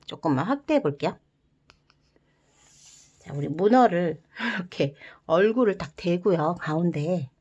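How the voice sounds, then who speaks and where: A woman guiding viewers through a paper-folding craft step by step, gentle and encouraging, with playful sound words. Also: medium pitch, lo-fi sound. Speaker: origami instructor.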